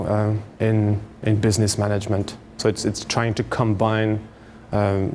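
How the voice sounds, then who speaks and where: Halting male lecturer with background noise. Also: fairly low pitch, darkish tone. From France, grew up in Canada. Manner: hesitant, halting, explanatory. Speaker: university lecturer. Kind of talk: seminar lecture, informal introduction.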